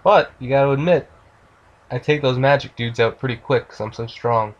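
A man's voice: medium pitch, normal speed, lo-fi sound. A man giving loose, joking let's play commentary while he plays, swearing freely. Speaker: gamer.

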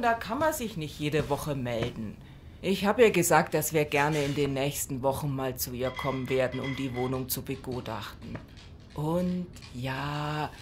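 Elderly wife , acted by a woman: deep for a woman, caring yet in charge, audio drama, clear background noise.

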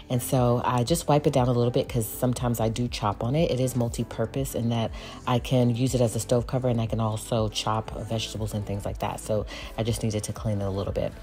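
Vlogger mom, forties, very low warm-toned voice, relaxed chatty delivery, light music underneath. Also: female voice. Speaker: lifestyle vlogger. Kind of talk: casual cook and clean narration. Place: home kitchen. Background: soft background music.

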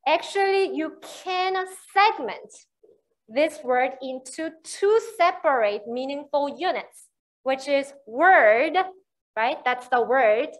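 A woman with a Korean accent, a native speaker of Korean, giving a university lecture in an explanatory way with frequent checks like "right?". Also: high-pitched. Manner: slow, explanatory, frequent "you know" and "right".

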